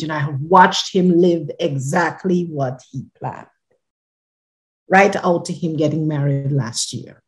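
An older woman from Guyana, a podcast guest earnestly telling a personal story on a video call from her living room, her phrases often fading softly at the end. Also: sits low.

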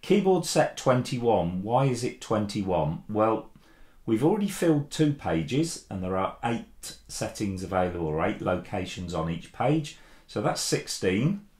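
A man in his fifties explaining a keyboard procedure step by step in a relaxed, plain-spoken way, with frequent ums and uhs, recorded in a home studio office. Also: lowish voice, a little slow. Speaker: keyboard tutorial presenter. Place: home studio office with desk and plants, indoors. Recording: echoey room.

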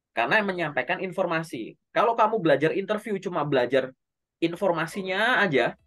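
A man coaching a learner on job interviews in a relaxed, conversational way, speaking straight to them. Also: a little high. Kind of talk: casual online coaching session.

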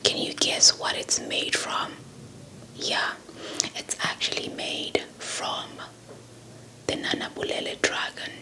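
A young adult woman from South Africa telling a folktale as ASMR in a breathy whisper, repeating words and phrases close to the microphone. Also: slow, long pauses, sharp tone. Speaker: ASMR storyteller. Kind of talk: whispered ASMR folktale storytelling with playful roleplay. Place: small indoor setup before a cloth backdrop. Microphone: handheld microphone with fluffy windscreen, held close.

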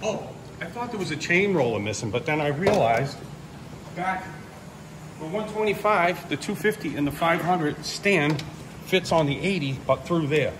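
A man's voice: on the high side, normal speed, noisy background. A middle-aged man, a mechanic, chatting casually and telling stories about old dirt bikes in a motorcycle workshop, picked up by someone else's phone. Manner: relaxed, knowledgeable, tells stories. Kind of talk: casual shop chat. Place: large motorcycle workshop indoors.

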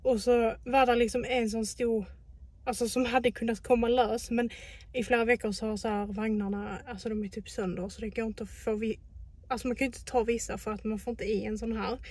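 A woman's voice: fairly high pitch, steady tone, darkish tone, no room sound. A young woman vlogging in casual chat about her shopping, talking freely and swearing when annoyed.

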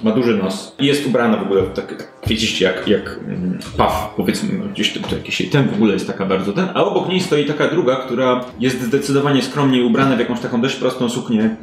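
A man's voice: medium pitch, brisk, few pauses. A man running a tabletop role-playing game, improvising descriptive narration in a conversational way. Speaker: game master. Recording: roomy, echoey indoor recording.

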